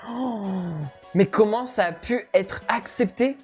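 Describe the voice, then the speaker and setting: A woman giving casual reaction commentary in an expressive, exclamatory, colloquial way, as a video host. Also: fairly high pitch, takes it slowly, faint music behind.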